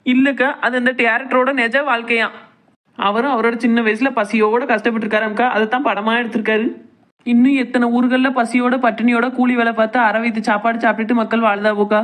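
A teasing young village wife from a cartoon, voiced by a woman. Her voice sits fairly high and moves fast, with sharp banter that turns earnest. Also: little pitch movement, natural voice.

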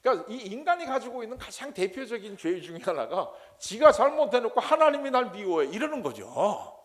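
A man's voice: high voice, very animated, brisk. A man giving a lecture on pastoral counseling. He asks the class questions and acts out scolding voices.

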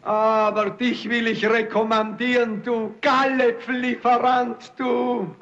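A whining, gouty old rich peasant. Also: male voice, very high voice, flat delivery, takes it slowly, fairly bright tone, lo-fi sound, heavily acted. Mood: grumbling. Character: aged, gout-ridden rich peasant, self-pitying and cranky.

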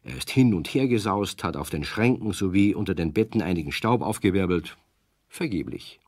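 A man's voice: low voice, animated, a little fast, a little mellow, breathy edge, no room sound, clean studio sound. A man acting as the storyteller of a children's radio play, narrating a scripted tale. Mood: storytelling.

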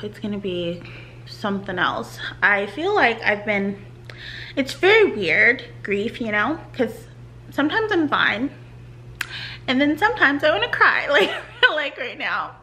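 A woman's voice: on the high side, big pitch swings, unhurried, slight background noise, poor audio. Chatty woman vlogging from her couch. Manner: chatty and candid, with soft nervous laughs. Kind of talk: casual vlog chat. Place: living room at home, seated on a couch. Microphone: camera in front, close framing.

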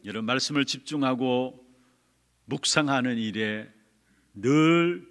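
A man's voice: medium pitch, fairly bright tone. Man preaching in a reverberant church. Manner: emphatic preaching, pausing for the interpreter. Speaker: pastor. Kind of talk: sermon with live interpretation. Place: church sanctuary.

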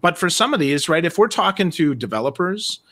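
Bright, animated co-host man. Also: fairly high pitch. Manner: animated and blunt, quick asides. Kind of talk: casual live-stream chat.

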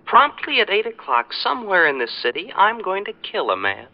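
An actor playing a menacing anonymous killer phoning the police in a 1940s radio thriller, deliberate and threatening. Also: male voice, high-pitched, wildly swooping pitch, full character voice. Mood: cold menace. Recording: muffled old radio phone call.

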